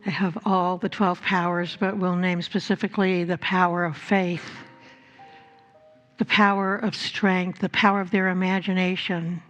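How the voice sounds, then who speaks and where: A woman pastor leading a guided prayer at a church service, speaking in measured phrases with long pauses between them. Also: on the low side, flat delivery, a bit bright, lo-fi sound, soft background music. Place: church service before a congregation.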